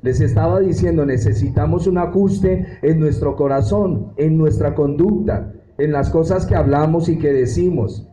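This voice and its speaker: A man's voice: fairly high pitch, normal speed, hardly any pauses, dark tone, echoey room, slight background noise, low-quality recording. A man teaching a Bible study like a sermon, acting out prayers and asking the congregation questions. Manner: preachy, acts out quoted prayers and asks the congregation questions.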